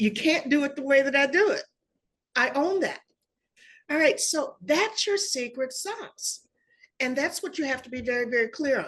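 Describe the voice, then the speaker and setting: The woman's high-pitched voice has an animated tone and very wide pitch swings. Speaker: sales consultant. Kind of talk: conference talk.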